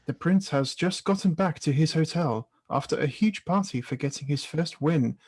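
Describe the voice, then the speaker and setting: A man's voice: on the high side, normal speed, a little mellow, slightly rough. A man reading scripted scene-setting narration as the narrator of a staged reading.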